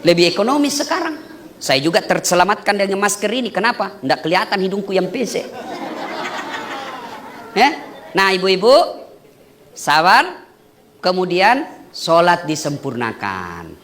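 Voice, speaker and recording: A male preacher giving a lively, joking wedding sermon to an audience, often asking questions and then answering them himself. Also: sits high, a little slow, pauses often, slight background noise. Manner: animated, joking, asks and answers own questions.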